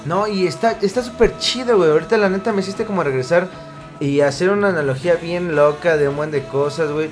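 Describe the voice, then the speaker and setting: A Mexican man with a slightly high voice talks in loose street slang. He wanders off topic and cuts himself off. Faint music plays softly behind him. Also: fast talker. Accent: Mexican Spanish. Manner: slangy, rambling, self-interrupting. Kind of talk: casual chat.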